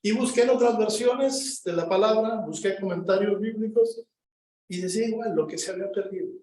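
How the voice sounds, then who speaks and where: A man's voice: high voice, fairly quick, a little mellow, echoey room, a little hiss or hum, low-quality recording. A man, a pastor giving a sermon and telling a personal story, often asking the congregation questions. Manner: asks the congregation frequent questions, tag questions.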